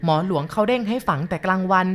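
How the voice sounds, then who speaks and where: A blunt, rough-spoken old village grandmother in a storybook reading, put on by a woman. The voice sits well above the reader's own low tone and comes out louder and sharper. She talks plainly and without softness. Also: lively intonation, fast talker, a little hiss or hum, lightly acted. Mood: hurried.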